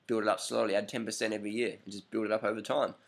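A man's voice: lowish voice, level tone, very fast, vocal fry. Rambling man on a webcam. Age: 30s. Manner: rambling, emphatic, repeats phrases. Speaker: vlogger answering viewer questions. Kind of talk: casual advice vlog. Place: indoor room with curtains, at night. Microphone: laptop webcam up close.

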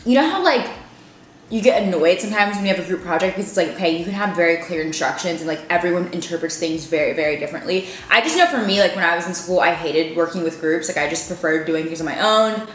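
Brief: twenties female vlogger, low-ish voice, loose upbeat chatter, roomy home sound. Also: expressive, quick pace, a bit bright, slight background noise. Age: 20s. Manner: chatty, filler-heavy, upbeat. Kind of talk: casual vlog chat. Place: apartment room at home. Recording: echoey room.

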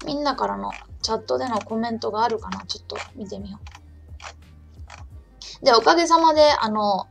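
Chatty lady explaining trading charts on a live stream, kinda high with some vocal fry, talks to herself and reads the chat out loud. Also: a little fast, faint music behind. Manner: calls herself by name in the third person. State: recovering from a sore throat. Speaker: trading channel host.

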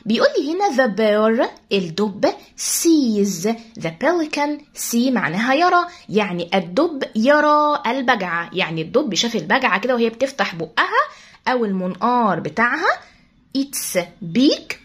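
A woman English teacher with an Egyptian Arabic accent explains a children's story quickly and reads the English sentences slowly. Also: fairly high pitch, big pitch swings, slightly rough.

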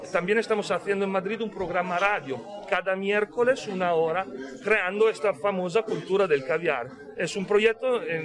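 Speaking through a face mask amid crowd noise, a caviar company representative with a high voice gives explanations in an interview. His tone is instructive, and he frequently tacks on "ok?" as a tag question.

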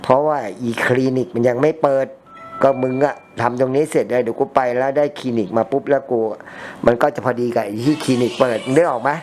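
A man's voice: mid-range voice, steady tone, quick pace, a little mellow, faint music behind. A man casually chatting with a customer while cleaning ears, a rambling storyteller with blunt, informal speech. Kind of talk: casual chat during ASMR ear cleaning. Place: ear-cleaning session with a customer.

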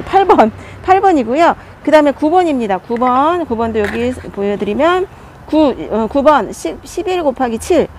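A woman chatting through a product demonstration as an online seller of plant pots, friendly and talkative with soft laughs. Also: fairly high pitch, slight background noise. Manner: chatty, friendly sales talk, often laughing softly.

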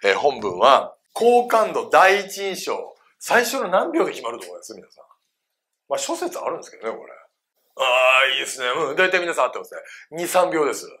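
A man leads a live seminar, speaking to a room of adult listeners. His delivery is playful and he keeps turning questions back to the crowd. His voice is bright and forceful, and his pitch swings widely from phrase to phrase. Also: a little fast. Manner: animated, playful, quizzes the audience. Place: seminar room with a live audience of about twenty or thirty adults.

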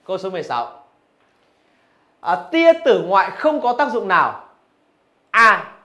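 A man's voice: high voice, big pitch swings, unhurried, pushed and bright. A male physics teacher going through exam answers, asking his students rhetorical questions as he explains. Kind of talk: exam review lesson.

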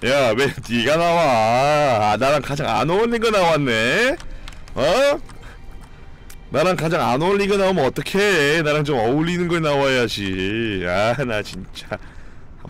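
A young man streaming a video game live, commenting excitedly, swearing often and talking to his viewers. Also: medium pitch, slight background noise.

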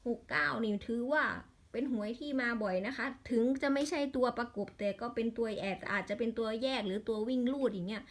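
A woman's voice: on the high side, a little fast, hardly any pauses. A woman with an Isan accent in a casual vlog, rattling off lottery number strings and breaking into exasperated grumbles.

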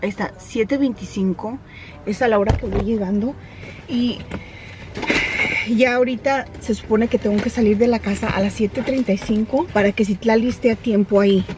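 A woman's voice: fairly high pitch, steady tone, moderate pace. Chatty woman vlogging from her car. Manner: chatty, switches into English with staff and kids. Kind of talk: casual chat to camera while driving. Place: inside a car, in a drive-through and parking lot. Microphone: camera mounted on the dashboard. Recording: car interior with clear road noise.

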